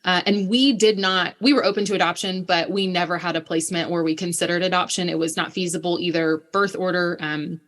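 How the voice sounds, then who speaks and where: Guest, woman, 30s, from Alabama; earnest, detailed storyteller, lower pitch. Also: fairly even intonation, a little fast, few pauses, a bit bright. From Alabama, USA. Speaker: missionary guest. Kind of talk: conversational storytelling.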